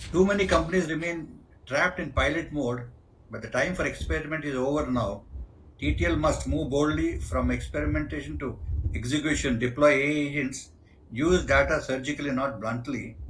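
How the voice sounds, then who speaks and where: A man speaks at a fairly quick clip, with audible echo from the room. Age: 70s. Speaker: shareholder speaking at company meeting. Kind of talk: prepared speech at shareholder meeting. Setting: video conference.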